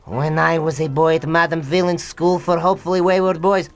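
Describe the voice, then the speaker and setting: A woman's voice: low voice, level tone, fairly quick. A woman playing a grandiose, indignant young male mad scientist in a melodramatic comedy radio play. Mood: grandiose outrage. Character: pompous young male mad scientist, theatrical upstart villain. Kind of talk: comedic radio drama acting. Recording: music behind the voice.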